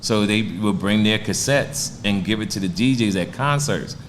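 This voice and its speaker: A man's voice: on the low side, normal speed, slight background noise. A man in his sixties, a stand-up comedian telling stories in a laid-back, streetwise way during a casual interview. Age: 60s.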